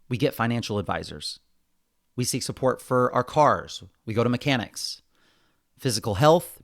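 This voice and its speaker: American man hosting a solo podcast. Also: mid-range voice. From United States. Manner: earnest, conversational, addresses listeners directly. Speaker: podcast host. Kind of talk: semi-scripted solo podcast narration.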